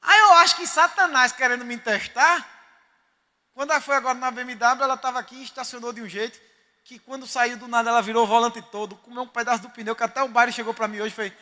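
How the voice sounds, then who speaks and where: In a church sanctuary, a pastor with a Northeastern Brazilian accent preaches and tells stories with emphasis. His voice is very high, steady, bright and forceful, and he talks fast, with the reverberant hall audible in the recording.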